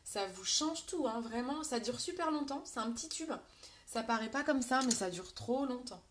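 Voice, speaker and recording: A woman's voice: on the high side, lively intonation, normal speed, a little hiss or hum. A woman with a French accent hosting a live makeup tutorial, chatting to her viewers as she works. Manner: chatty, addresses viewers directly, reads out comments.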